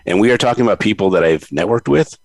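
A man hosting an interview show in a relaxed, easygoing way. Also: fairly low pitch, quick pace, gravelly, no room sound. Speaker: host. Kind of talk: casual interview chat.

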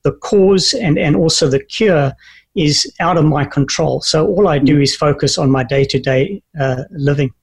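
A man in his fifties from South Africa with a South African accent, speaking earnestly and with measured restarts as an interview guest. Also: a little high, vocal fry, slightly rough. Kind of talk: interview conversation.

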